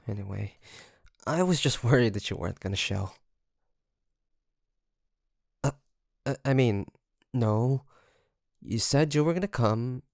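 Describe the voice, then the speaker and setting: A man's voice: mid-range voice, vocal fry, no room sound, studio quality. A man playing a nervous, caring young best friend in an intimate audio roleplay, speaking hesitantly and straight to the listener. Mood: nervous, friendly. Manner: hesitant, halting, soft nervous chuckles. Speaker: voice actor.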